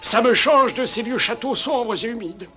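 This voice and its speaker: A grumpy old ghost from a cartoon, with a very high, piercingly bright voice. He complains in an old-fashioned, theatrical way, full of wounded dignity. Faint music plays underneath. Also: moderate pace. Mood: smug, gleeful. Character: grumpy, fussy old ghost who loves scaring old ladies. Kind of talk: French cartoon dubbing.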